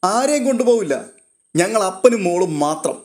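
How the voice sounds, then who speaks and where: A man reads as a tipsy, lonely middle-aged father in a storybook, slurring and boastful, his voice pushed a little high. He swings from bragging to self-pity. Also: animated, moderate pace, darkish tone.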